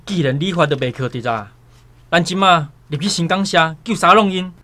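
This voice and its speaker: Eager, higher-voiced tribal companion. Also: male voice, normal speed, sharp tone. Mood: puzzled, urgent. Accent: Taiwanese. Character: eager male tribal companion, urging action. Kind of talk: radio drama acting.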